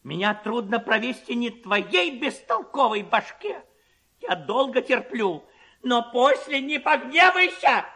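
Casting: male reader as indignant village woman, high shrill pitch, swooping delivery, sharp-tongued storybook scold. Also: big pitch swings, measured pace, heavily acted. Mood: furious, scolding.

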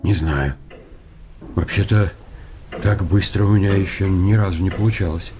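A man's voice: deep voice, steady tone, normal speed, music in the background, natural voice. An actor playing a timid, educated male hypnotist in a radio comedy, polite, bookish and hesitant. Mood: nervous, evasive. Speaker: actor in a comedy audio play.

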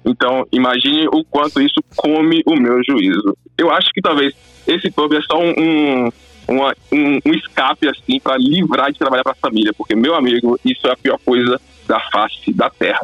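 A man's voice: mid-range voice, moderate pace, no room sound, soft background music. Rambling man over the phone. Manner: rambling, hesitant. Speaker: caller. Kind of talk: casual chat. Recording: dull, dry phone line.

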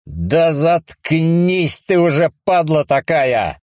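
A man's voice: medium pitch, big pitch swings, slow pace, a little mellow, dry recording, studio quality, voice pushed up. A man reading a story aloud, voicing an irritable, hungover man who swears and snaps sarcastically. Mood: exasperated. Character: irritable hungover man woken at night, foul-mouthed. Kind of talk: audiobook reading.

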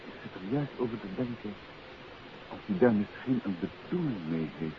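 A man playing a shrewd, urbane detective husband in the expressive manner of 1950s Dutch radio drama. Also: lowish voice, moderate pace, lightly acted. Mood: pensive, wary. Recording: dull, hissy 1950s radio recording.

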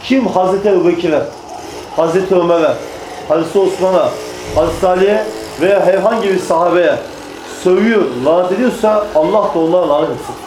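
A man's voice: sits high, brisk, echoey room, background noise. A man preaching to a small group, emphatic, repeating phrases and answering his own rhetorical questions. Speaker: religious preacher. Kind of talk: religious talk to a small group.

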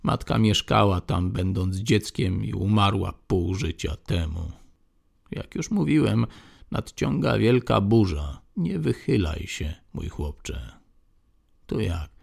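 Picture a grizzled old inmate , as a male reader puts him on, knowing and ominous, warning of trouble in a slow, unhurried drawl. The voice sits low and gravelly, with plenty of rough fry. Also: animated, full character voice. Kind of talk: audiobook character voice.

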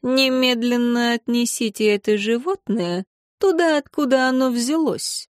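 A woman's voice: fairly high pitch, measured pace, dry recording, studio quality, pitched above the performer's own voice, lightly acted. A woman putting on a prim, scolding governess. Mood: stern. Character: stern strict older female governess.

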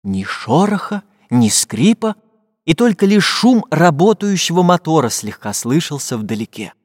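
A man narrating a children's fairy-tale audiobook in an expressive, lively manner. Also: fairly high pitch, unhurried. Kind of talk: scripted storybook narration. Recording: dry voice with long reverb tail.

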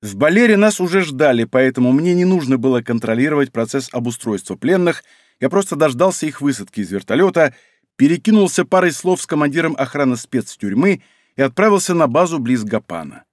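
A male narrator reads a first-person novel aloud, his pitch moving freely across each phrase. His voice sits in the middle of the range. The sound is dry and close, with no room in it. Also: lively intonation, brisk, dry recording. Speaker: audiobook narrator.

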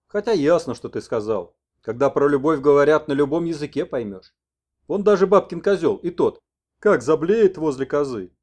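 A man's voice: fairly high pitch, expressive, normal speed, darkish tone. A man voicing a talkative old village grandfather with a folksy, colloquial manner.

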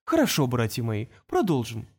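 A man's voice: mid-range voice, huge pitch swings, moderate pace, a little mellow, breathy edge, voice pushed down, full character voice. A man voicing a patient teenage boy genius who talks in a precise, lecturing way.

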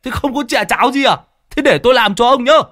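A man's voice: very high voice, animated, fast talker, fairly bright tone, no room sound, studio quality, voice pushed up. A man voicing a brash, bossy young ghost-hunter sidekick who teases his host. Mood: cocky. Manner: cocky, bossy, teasing.

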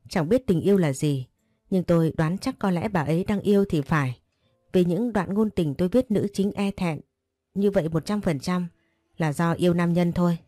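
Woman reading a story out calm and even, mellow low voice. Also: no room sound, clean studio sound. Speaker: narrator. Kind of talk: scripted first-person story narration. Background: faint music.

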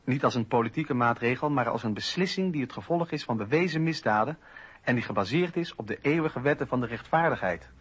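A man playing a solemn, idealistic eighteenth-century revolutionary philosopher in a radio docudrama, speaking in measured, formal oratory. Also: mid-range voice, expressive, a bit bright, husky, highs cut off. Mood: grave, resolute. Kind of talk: radio docudrama, oratorical reading of historical texts.

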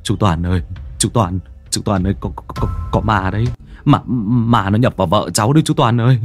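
A man's voice: on the low side, fairly quick, faint music behind, lightly acted. A man voicing a frightened younger man who stammers and pleads in a ghost story.

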